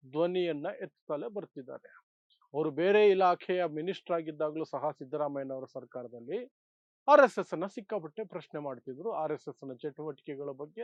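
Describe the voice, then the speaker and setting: A man's voice: sits high, no echo. A man giving opinionated political commentary, emphatic, with rhetorical repetition in short phrases. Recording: dull, dry lo-fi sound.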